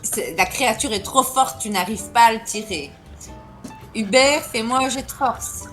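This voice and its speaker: A woman with a French accent narrating a tabletop role-play game as game master, halting often with fillers. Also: fairly high pitch, soft background music. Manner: hesitant, many fillers.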